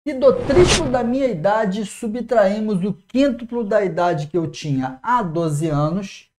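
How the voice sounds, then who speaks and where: A Brazilian man in his forties teaches math at a whiteboard, recorded close on a lapel mic. He talks to the viewer with lively little checks like "né?". He slows right down to spell out each step. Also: high voice, noisy background. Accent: Brazilian Portuguese. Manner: energetic, talks to the viewer with frequent "né?" and "ó". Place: classroom in front of a whiteboard.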